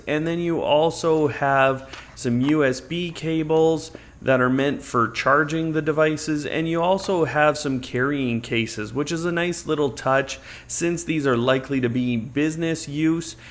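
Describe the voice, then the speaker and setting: Male tech review host, medium pitch, conversational tutorial delivery, clear step-by-step explaining. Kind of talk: unboxing and tutorial narration, conversational.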